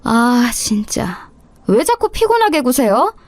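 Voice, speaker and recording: A woman's voice: fairly high pitch, very animated, slow pace, no echo, clean studio sound, faint music behind, heavily acted. A woman playing a sneering young daughter-in-law. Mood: defiant. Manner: sarcastic, mock-polite. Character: young insolent daughter-in-law, mocking, sly, cruel.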